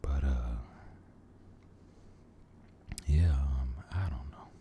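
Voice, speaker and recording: A man giving a soft-spoken, mostly whispered ASMR ramble, halting and gentle, repeating his phrases, close to the microphone. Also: rumbling low, a little hiss or hum. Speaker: ASMR video creator.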